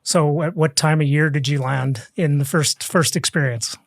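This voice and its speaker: A man hosting an interview, chatty and halting, often restarting his sentences. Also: a little high, fairly even intonation, creaky, no echo, clean studio sound. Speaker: podcast host. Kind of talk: interview conversation.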